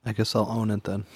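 A man co-hosting a casual commentary chat, reacting with quick quips and frequent laughter. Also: fairly low pitch, mellow, husky. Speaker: podcast co-host.

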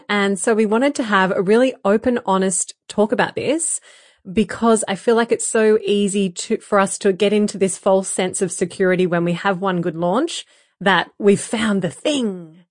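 A woman co-hosting a podcast, talking candidly with a croaky voice, laughing often and using many fillers. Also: mid-range voice, normal speed, no room sound, studio quality. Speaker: podcast co-host. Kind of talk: casual podcast chat.

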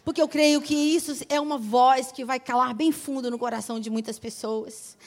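Middle-aged Brazilian woman pastor, very high pitch, emphatic and repetitive sermon delivery. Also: steady tone, moderate pace. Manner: emphatic preaching, repeats phrases, swings from loud to soft.

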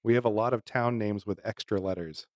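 A man's voice: lowish voice, fairly quick, no room sound, studio quality. Laughing, rambling podcast co-host man. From Massachusetts. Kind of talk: casual chat.

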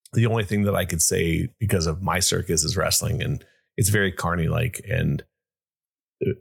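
Deep gravelly podcast host. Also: male voice. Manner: rambling, many restarts and fillers. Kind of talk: casual chat.

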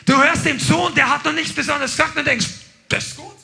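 Man, pastor, sermon, energetic, gravelly, very high voice. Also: fast, soft background music. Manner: energetic, exclaiming to the congregation.

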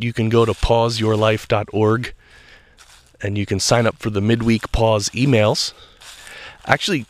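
A man hosting a spiritual podcast, talking earnestly and reflectively while walking outdoors, a little stuffed up and nasal. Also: medium pitch. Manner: earnest, reflective, loose talk with restarts. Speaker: podcast host. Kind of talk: solo spiritual podcast monologue. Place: walking outdoors in a state park.

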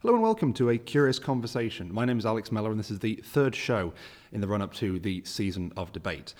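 Low-voiced chatty man hosting a podcast. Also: lively intonation, fast talker, a little mellow, big-room sound. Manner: chatty, rambling questions with many restarts. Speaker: podcast host. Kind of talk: casual interview.

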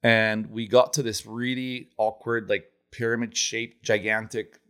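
A man's voice: lowish voice, little pitch movement, a little slow, fairly bright tone, clear, resonant tone. A man in his fifties, born in Rome with Italian as his first language, telling stories as a restaurant-owner guest. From Italy. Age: 50s. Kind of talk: casual interview storytelling.

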